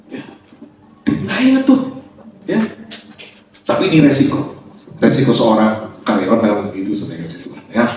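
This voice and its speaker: A man with a fairly high voice preaches in a church, telling stories in a chatty, joking way and turning to the congregation now and then. His voice bounces around a very echoey hall and reaches the mic from a distance. A faint background hiss sits under it. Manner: chatty, joking, lively storytelling with asides to the congregation. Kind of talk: sermon with personal stories. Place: church sanctuary.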